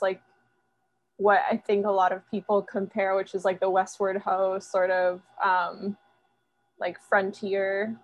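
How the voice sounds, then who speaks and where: A woman in an audience asking a speaker an informal question in a hesitant, tentative way, on a muffled lo-fi recording. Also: mid-range voice. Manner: hesitant, tentative, many uses of "like". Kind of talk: informal spoken question after a talk. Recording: dull, muffled lo-fi pickup.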